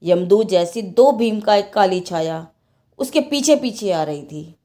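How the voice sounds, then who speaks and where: A woman narrating a scripted moral religious tale in an expressive, dramatic storytelling manner. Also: medium pitch, unhurried.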